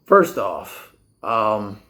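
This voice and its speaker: Hoarse, tired man. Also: lowish voice, drawn-out words. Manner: rambling, excitable, repeats himself. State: hoarse, worn-out voice; tired, short on sleep. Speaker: podcast host. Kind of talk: casual solo sports podcast.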